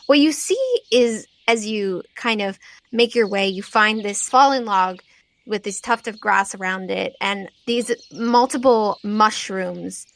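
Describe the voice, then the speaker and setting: A woman game master improvising narration for a tabletop roleplaying game in a conversational, descriptive way, pausing often as she sets the scene. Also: mid-range voice, a bit bright. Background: music.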